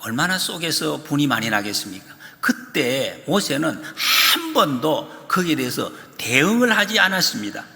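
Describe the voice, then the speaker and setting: Male pastor, sermon delivery, higher-pitched voice with lively intonation, echoing church hall. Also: moderate pace, vocal fry, few pauses. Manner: animated storytelling, acts out quoted prayers and complaints. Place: church sanctuary. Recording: long reverb of a church hall.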